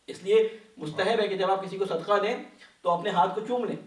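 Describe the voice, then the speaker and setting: A Quran study teacher delivers a patient, explanatory religious lesson, often asking his class questions and answering them himself. His voice is high for a man and is heard from some distance in a large, echoing mosque hall, off-mic.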